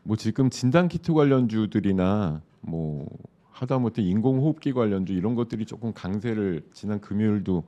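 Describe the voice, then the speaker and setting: A man's voice: lowish voice, lively intonation, normal speed, few pauses, warm tone, highs cut off. A man with a sore throat, a stock market commentator explaining trends in loose, conversational live-show chat with many fillers.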